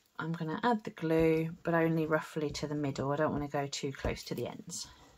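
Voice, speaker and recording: Talking at a fairly quick pace, a woman with a southern English accent has a fairly low pitch. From Kent, England. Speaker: craft demonstrator; papercraft demonstrator. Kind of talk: tutorial. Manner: casual, with many fillers. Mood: cheerful, relaxed. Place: home room.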